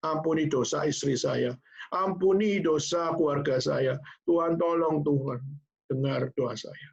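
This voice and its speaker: A man's voice: on the high side, a little slow, gravelly, highs cut off. A man voicing a ruined gambler and husband who prays in tears, his pleas carried along inside a sermon. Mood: repentant. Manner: pleading, tearful prayer. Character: desperate ruined male gambler, tearful penitent husband.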